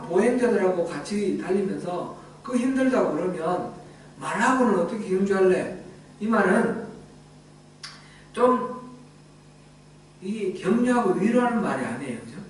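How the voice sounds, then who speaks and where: A high-pitched male pastor delivers a conversational sermon, acting out quoted lines as he goes. His voice is caught from a distance in a very echoey church hall. A faint room ambience sits behind him. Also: a little hiss or hum. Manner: conversational preaching, acts out quoted dialogue. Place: church sanctuary.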